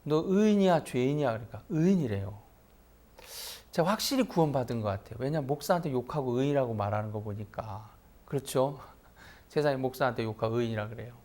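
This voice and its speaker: A man's voice: mid-range voice, fast. A middle-aged man, a pastor, telling a personal story in a sermon and letting his voice rise sharply for emphasis. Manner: lively anecdotal preaching, voice rising sharply for emphasis.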